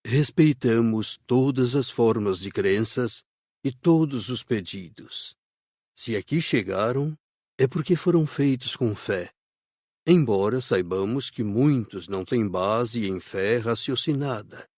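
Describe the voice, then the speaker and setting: A man playing a gentle, patient spirit counselor in an audiobook, speaking in a courteous, measured, explanatory way. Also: medium pitch, lively intonation, no room sound, clean studio sound. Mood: calm, patient. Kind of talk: audiobook character dialogue.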